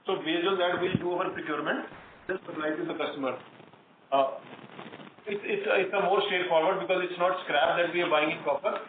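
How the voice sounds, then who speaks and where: A man with an Indian accent answers questions as an executive on an investor call. His voice is on the higher side and he speaks haltingly, doubling back on words. The phone sound is thin and echoey, as if he sits away from the microphone. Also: steady tone. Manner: hesitant, halting, repeats words. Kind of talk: earnings conference call answers. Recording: tinny phone line, roomy echo, distant, noisy.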